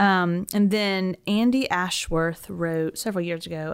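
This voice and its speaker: This woman has a plain, everyday voice, with an American accent, fairly low pitch, ordinary pitch variation and a fairly slow pace. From US South, Georgia (Alpharetta, north of Atlanta). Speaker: pastor's wife. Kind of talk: casual interview.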